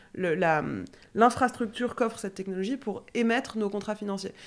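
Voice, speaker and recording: A woman speaks at a medium pitch. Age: 30s. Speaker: fintech company CEO; guest. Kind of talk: interview. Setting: at a blockchain conference in Paris. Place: studio. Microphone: studio mic.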